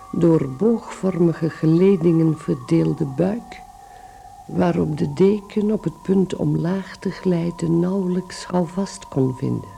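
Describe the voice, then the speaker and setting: An actor as a sober storyteller, giving measured, deliberate literary narration in a radio play. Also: male voice, on the high side, creaky, mellow, slight background noise, heavily acted.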